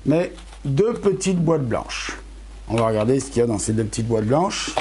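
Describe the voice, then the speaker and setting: A middle-aged amateur astronomy YouTuber casually unboxes gear for his channel, talking straight to his viewers. His medium-pitched voice has lively intonation at normal speed, though he sounds a bit tired and is losing his voice. He's chatty and corrects himself, with background noise audible.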